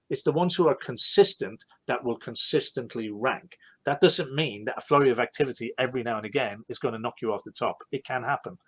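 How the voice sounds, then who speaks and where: Irish guy hosting a live q&a, rambly, keeps restarting, kinda muffled call audio. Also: medium pitch. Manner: animated, rambling, self-correcting. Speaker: host. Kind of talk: live online Q&A chat.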